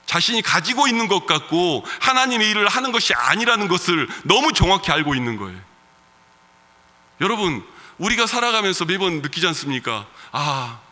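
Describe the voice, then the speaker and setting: A pastor in his thirties preaches in a church sanctuary, his fairly high, very bright, forceful voice ringing with a long hall reverb. He swings from loud, emphatic calls to hushed personal storytelling. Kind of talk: sermon.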